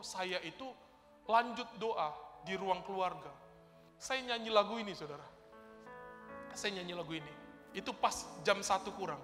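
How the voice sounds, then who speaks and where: A man's voice: high-pitched, fairly bright tone. A male pastor preaching a sermon, telling a personal testimony in a fervent, conversational way and speaking straight to his congregation. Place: church hall. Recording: reverberant hall with faint music.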